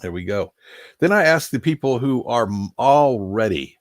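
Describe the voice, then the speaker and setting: With lively intonation, a medium pitch and a moderate pace, an older man hosts a casual live stream, a little nasal from allergies. He rambles folksily, reads out viewer names and chuckles through asides, in studio-quality audio with no room sound.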